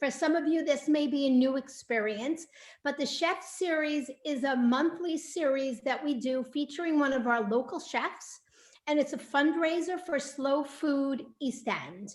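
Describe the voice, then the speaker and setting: A woman speaks loudly at a high pitch with ordinary pitch variation. Her pace is fairly slow. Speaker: nonprofit chapter chair. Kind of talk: event hosting on video call. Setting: video call.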